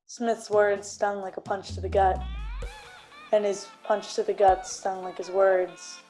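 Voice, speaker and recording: A woman playing a brooding, grieving detective, melodramatic and deadpan, in a radio noir parody. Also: medium pitch, unhurried, music in the background, natural voice. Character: brooding, hard-boiled detective grieving a partner, wryly melodramatic.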